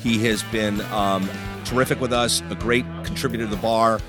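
A man's voice: fairly low pitch, fairly even intonation, normal speed, music in the background. A man hosting an interview podcast with casual, dry, teasing banter. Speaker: podcast host.

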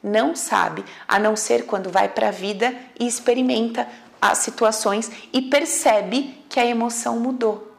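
A woman with a Brazilian accent giving a casual online lesson as an emotional coach. She talks in an animated, blunt, informal way and sometimes swears. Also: fairly high pitch, unhurried, gravelly. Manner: acts out quoted inner voices. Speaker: emotional coach teaching a method.

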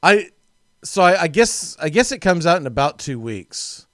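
Animated laughing sports talk host man. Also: on the high side, normal speed, dry recording, studio quality. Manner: animated, laughing often, jokey.

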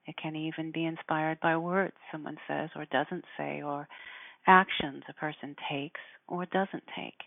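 A woman speaking in a measured, deliberate way, giving spiritual instruction and guided meditation. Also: deep voice, steady tone, gravelly, no echo. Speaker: spiritual teacher guiding listeners. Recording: narrow phone-like sound.

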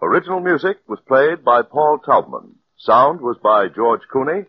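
A man's voice: medium pitch, expressive, normal speed, breathy edge. A male radio announcer reading closing credits in a formal, declamatory manner, heard on a dull 1940s radio broadcast. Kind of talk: scripted announcement.

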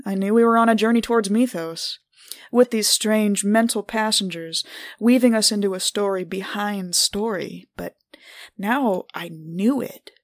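An introspective adventurer voiced by a woman recounts how she has changed, in a scripted first-person podcast monologue. Her mid-pitched voice is reflective and measured, pausing deliberately, and recorded very dry. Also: dry recording, natural voice. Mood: solemn, awed. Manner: reflective, measured, literary phrasing with deliberate pauses.

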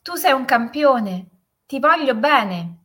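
A woman voicing the echo of a mountain in a spoken story, with a breathy voice. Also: high-pitched, expressive, slow, a bit bright, pitched above the performer's own voice, heavily acted. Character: mountain echo repeating every word.

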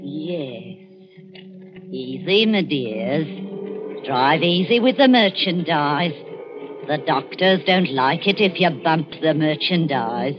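A woman in 1940s radio acting playing a sharp-tongued, scolding old foster mother with working-class speech. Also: deep voice, lively intonation, takes it slowly. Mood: menacing. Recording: muffled old radio broadcast with faint music.

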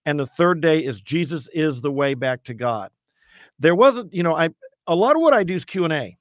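A man with a loud, earnest preacher's voice, pitched a little above most men. He speaks as a guest on a radio talk show, emphatic and full of restarts. The recording is dry and close, with no room sound. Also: lively intonation, a little fast, dry recording. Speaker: campus evangelist.

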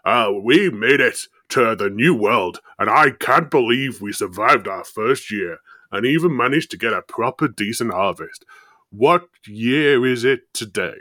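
A man's voice: low voice, steady tone, normal speed, fairly bright tone, no room sound. Man playing a preachy, pious Irish settler, dry recording. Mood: relieved, amazed. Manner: devout, declamatory, preachy. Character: pious Irish male settler in colonial America. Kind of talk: amateur comedy play.

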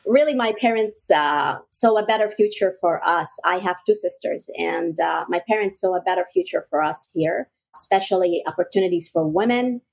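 A young adult woman from Egypt, a real estate broker talking casually as an interview guest, warm and quick to laugh. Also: fairly low pitch, gravelly, poor audio.

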